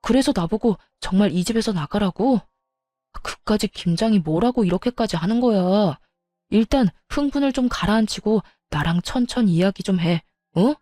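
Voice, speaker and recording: A woman voicing a flustered husband who pleads slowly in a lowered voice, in a story reading. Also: expressive, dark tone, dry recording, soft background music, close to an everyday voice. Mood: pleading. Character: grown man, a flustered husband pleading to calm things.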